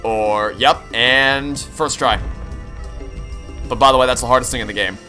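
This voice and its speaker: A man's voice: mid-range voice, measured pace, bright, forceful tone. A young man giving casual, opinionated, rambling commentary as he plays through a video game. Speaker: video game playthrough streamer. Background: game music.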